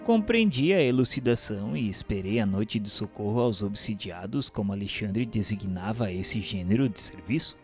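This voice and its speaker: A man narrating a radio serial in scripted literary first person, with formal, measured delivery. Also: on the low side, expressive. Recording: music bed behind the voice.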